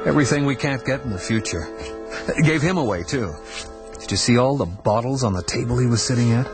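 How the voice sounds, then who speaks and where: An actor playing an anxious male fugitive from the future, nervous and quick to anger. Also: mid-range voice, expressive, over music, natural voice. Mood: agitated. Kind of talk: 1980s radio drama acting.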